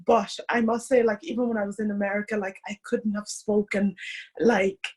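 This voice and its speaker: A chatty woman from Kenya hosting a podcast, her talk full of filler words. Her voice is slightly husky and breathy, at an ordinary pitch for a woman. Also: flat delivery, moderate pace, a little mellow. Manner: chatty, many "like" and "you know" fillers. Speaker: podcast host. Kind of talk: casual conversation.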